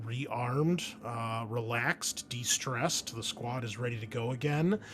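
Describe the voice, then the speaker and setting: A man hosts a tabletop roleplaying game as game master. His voice sits at an average male pitch and he talks informally, like someone chatting with his players. The recording has clearly audible noise behind him. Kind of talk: casual chat and recapping a tabletop game.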